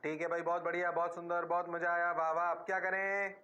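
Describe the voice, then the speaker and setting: A man's voice: fairly high pitch, completely flat delivery, fast talker, bright, forceful tone, dull audio. A man teaching physics in a classroom lecture with an Indian accent, who drags out his words and playfully answers himself in the students' voice.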